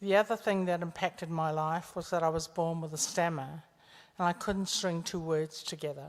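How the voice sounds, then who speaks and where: Speaking at a moderate pace, a woman with a New Zealand accent keeps a fairly low pitch and fairly even intonation. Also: very clean recording, silent background. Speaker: lived-experience speaker. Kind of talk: personal testimony at public lecture.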